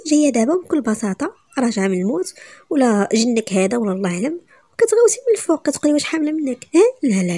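A woman voicing a sharp-tongued older woman who scolds loudly. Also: slightly rough, no echo, studio quality. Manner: shrill and scolding.

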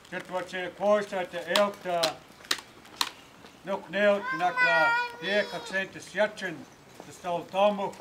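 A middle-aged man giving a ceremonial public address outdoors in measured, halting phrases, picked up by a camera a few metres away. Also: high voice. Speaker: ceremony speaker. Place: outdoors in an open paved yard. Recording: noisy outdoor camera recording.

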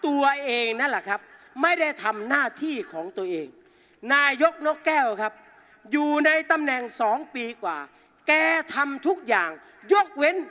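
A man's voice: very high voice, animated, normal speed, pushed and bright. A man giving a fiery, mocking political speech on an outdoor rally stage, speaking into a stage microphone and addressing the crowd directly. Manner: combative, mocking, addresses the crowd as brothers and sisters.

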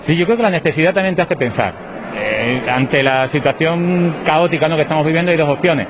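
A man in his thirties, a parish priest, talks fast and from the heart into a reporter's handheld mic. Clear chapel ambience sits behind him. He is inside a small whitewashed chapel by the altar. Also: a little high, noisy background. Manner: fast, heartfelt, thinking aloud. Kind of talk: interview answers.

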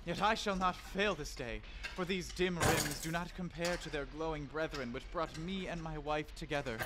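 A man playing an earnest high-school Romeo, declaiming grandly in theatrical Shakespearean style for an audio drama. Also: moderate pace, heavy background noise, natural voice. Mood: grandiose, determined.

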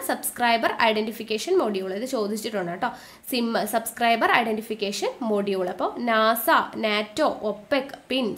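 Woman teacher, Malayali accent, fairly high voice, asks and answers her own questions, repeats terms slowly. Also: a bit bright. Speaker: exam coaching teacher. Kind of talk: recorded exam-prep lesson.

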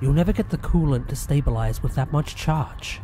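A man's voice: medium pitch, normal speed, mellow, a little hiss or hum, close to an everyday voice. A man playing a quirky, inquisitive time traveller in an audio drama, polite and wry. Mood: curious, polite.

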